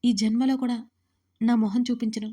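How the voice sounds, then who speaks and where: A desperate young man in an audio drama, pleading and near tears as he insists he is wronged, read by a woman. The voice sits a little high and sounds soft and mellow. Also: steady tone, normal speed, close to an everyday voice. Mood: accusing.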